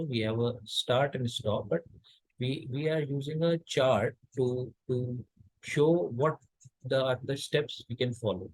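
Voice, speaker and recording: This recorded college lecture comes from an Indian man whose middle-pitched voice is a little mellow. He walks through every step patiently, frequently stopping on fillers and starting sentences over. The rough, dry recording is close-miked and has no room sound.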